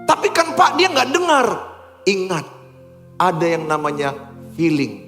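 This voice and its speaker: Guy preaching, voice jumps up and down a lot, high for a man, echoey church hall. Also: big pitch swings, measured pace, soft background music. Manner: preaching with sharp swings between loud emphatic lines and low quiet ones. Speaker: pastor. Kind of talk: sermon.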